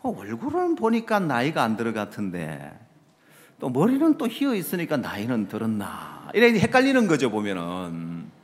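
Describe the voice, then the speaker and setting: A middle-aged male pastor, preaching a sermon with lively rhetorical questions to the congregation and low trailing asides. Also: normal speed. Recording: long reverb of a large hall.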